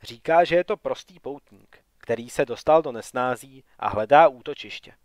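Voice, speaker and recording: A man's voice: medium pitch, dry recording, studio quality, lightly acted. A man reading a suspicious castle retainer.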